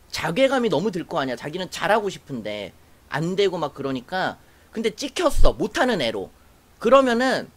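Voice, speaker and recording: A young woman telling a personal story to camera in a casual, animated way, acting out what others said. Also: fairly low pitch. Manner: animated, acts out quoted voices, laughs while telling. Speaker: YouTuber.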